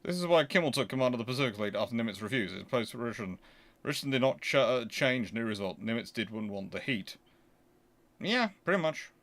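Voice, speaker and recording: A male host talks through answers to viewer questions in a mid-pitched voice. His delivery is conversational and unscripted, arguing each point with emphasis. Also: animated, quick pace, a bit bright. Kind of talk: casual livestream question-and-answer commentary.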